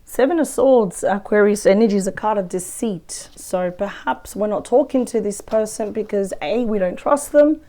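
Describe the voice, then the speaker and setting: A woman with a weak, croaky voice from a cold, chatting through a weekly tarot reading. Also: medium pitch, moderate pace, few pauses, dark tone. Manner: chatty, thinks aloud over the cards. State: hoarse from a cold. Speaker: tarot reader. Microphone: close microphone.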